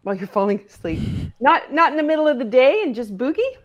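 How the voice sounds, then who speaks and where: A woman from Nova Scotia, chatting casually as an interview guest in an encouraging, gently teasing way. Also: sits high, sing-song, fast, muffled recording. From Cape Breton, Nova Scotia, Canada. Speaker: podcast guest. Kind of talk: casual, playful interview chat.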